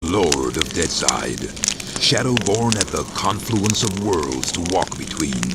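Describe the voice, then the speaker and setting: An actor playing a brooding undead voodoo warrior and grim lord of the dead in a video game, with a very deep, gravelly voice and an ominous, theatrical, poetic delivery. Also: male voice. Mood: ominous, grandiose. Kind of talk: dramatic scripted game monologue. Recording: long cavernous reverb, clear background noise.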